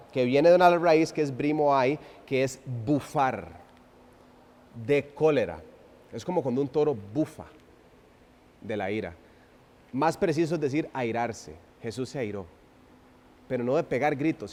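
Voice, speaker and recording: A man preaching an expository sermon, swinging from loud emphasis to hushed, drawn-out phrases and asking the congregation rhetorical questions. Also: mid-range voice. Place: church sanctuary. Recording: long reverb of a church hall.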